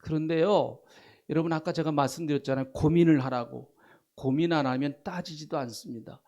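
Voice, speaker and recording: A man, a senior pastor preaching a sermon in church, who speaks emphatically, repeats key phrases and drops to quiet asides. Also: fairly high pitch, a little fast.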